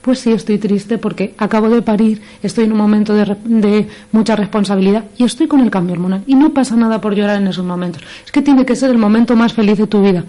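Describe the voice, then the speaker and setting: Fast-talking woman psychologist on radio. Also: mid-range voice, dark tone. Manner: explanatory, gives examples with quoted phrases. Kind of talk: radio talk-show discussion. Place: radio studio.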